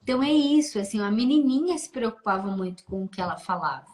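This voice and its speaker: A woman's voice: a little high, lively intonation, fast talker, a little mellow. A Brazilian woman hosting as a therapist, speaking directly and encouragingly and asking pointed questions on a video call. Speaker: host, therapist. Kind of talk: therapeutic conversation.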